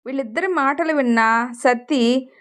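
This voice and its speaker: A woman with a high, light voice and a Telugu accent tells a family story in a gentle storytelling tone. She slips into the characters' lines briefly without changing her voice much. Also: normal speed. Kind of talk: storytelling narration with acted dialogue.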